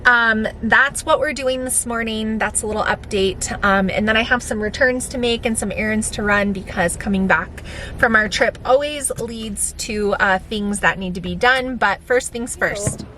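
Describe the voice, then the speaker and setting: A woman's voice: normal speed, pushed and bright. A middle-aged American woman talking in a casual, chatty vlog style, explaining things conversationally. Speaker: vlogger and homeschooling mother. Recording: clearly noisy, vehicle rumble.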